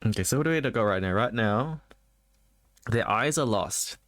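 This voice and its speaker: A man's voice: mid-range voice, lively intonation, moderate pace, a bit bright. A man giving casual, wry live commentary as he streams a horror game, with game music behind him. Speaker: streamer playing a horror visual novel.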